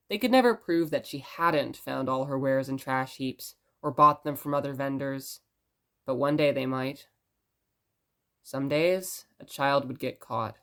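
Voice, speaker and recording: A woman acting as a gentle radio host in an audio drama, telling stories in a musing, conversational way. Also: a bass voice. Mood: gentle storytelling. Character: rambling, gentle blind radio station host.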